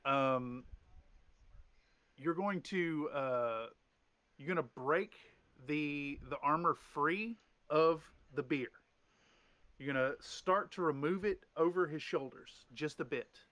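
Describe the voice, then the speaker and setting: A man's voice: a little high, takes it slowly, pushed and bright, no echo. A man running a tabletop game as game master, rambling with restarts and fillers.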